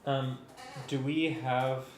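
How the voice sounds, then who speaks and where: A man's voice: mid-range voice, fairly even intonation, slow, slight background noise. A man talking casually as he directs a music rehearsal, thinking aloud in a hesitant, working way. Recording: roomy sound with music playing.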